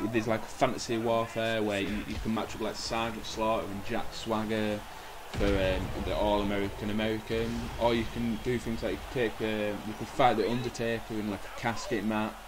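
A man at medium pitch and a fairly quick pace, with noticeable background noise. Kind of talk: video game review commentary. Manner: hesitant, with stutters and fillers.

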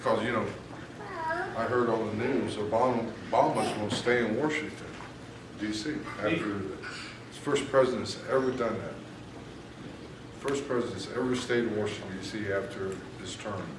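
There is noticeable background noise and audible room echo as a man talks at a fairly slow pace. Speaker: church member. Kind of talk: testimony. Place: church. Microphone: camera far.

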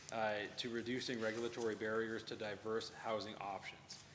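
A man mumbles in a medium-pitched voice. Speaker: town planner. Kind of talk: reading aloud. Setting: town board meeting. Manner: mumbling.

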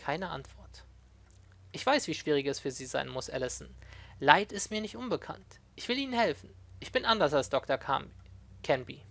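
A woman with a very deep, low pitch and vocal fry speaks at a moderate pace, taking long, frequent pauses. Her pitch swings very widely and her loudness varies greatly. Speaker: let's play gamer. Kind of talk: gameplay commentary with reading game text aloud. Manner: hesitant, many filler sounds.

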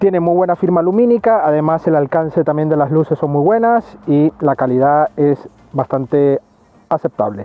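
There is a dry sound with no echo as a man speaks at a moderate pace. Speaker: car reviewer. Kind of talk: car review walkaround commentary. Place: open country.

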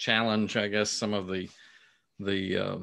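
A man talks at a fairly low pitch against a quiet background. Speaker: interviewer. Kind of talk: interview question. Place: home room. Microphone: video call.

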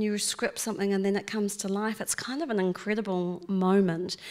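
In a New Zealand accent, a woman speaks at a moderate pace. Her intonation stays fairly even, and the background is quiet. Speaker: artist; guest. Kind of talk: panel discussion. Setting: live broadcast before a cinema audience. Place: stage. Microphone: studio mic.

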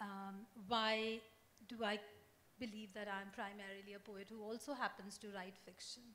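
A woman with an Indian accent speaks at a moderate pace in a monotone, flat intonation. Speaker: novelist and poet. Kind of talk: panel discussion with poetry readings. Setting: stage with audience. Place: stage. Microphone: handheld.

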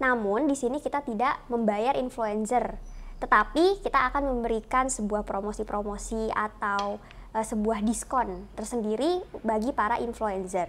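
A plain, everyday voice from a woman with a fairly high pitch, ordinary pitch variation and a moderate pace over light background noise. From Indonesia. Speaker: university student; presenter. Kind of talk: recorded presentation. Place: home room.

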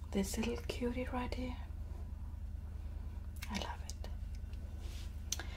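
With noticeable background noise behind it, the voice moves at a very slow pace, broken by long, frequent pauses. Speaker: ASMR creator. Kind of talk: ASMR cooking role talk. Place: kitchen. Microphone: lapel.

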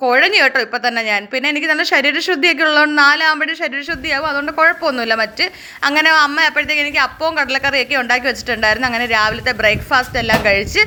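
A woman speaks in a raised, projected voice with a high pitch. Her pitch variation is ordinary. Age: 20s. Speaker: vlogger, housewife. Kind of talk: casual vlog narration.

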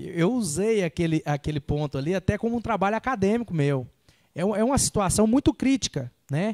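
A man speaks at a moderate pace in a high voice, with very wide pitch swings. The background is quiet. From Senador Canedo, Goiás, Brazil; Goiás, Brazil. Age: young. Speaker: city council candidate, architect; council candidate. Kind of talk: campaign interview. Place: studio. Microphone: handheld.

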